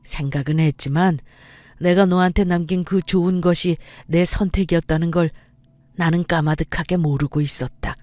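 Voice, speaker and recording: A woman voicing the ghost of a gentle, regretful father, speaking slowly and tenderly in a storybook tale. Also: lowish voice, steady tone, no room sound, close to an everyday voice. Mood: earnest.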